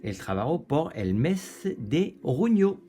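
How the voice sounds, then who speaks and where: A man with a French accent doing a casual tarot card reading, halting and searching for words, with many restarts and French filler words slipped in. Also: fairly high pitch, sing-song, mellow. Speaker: tarot reader.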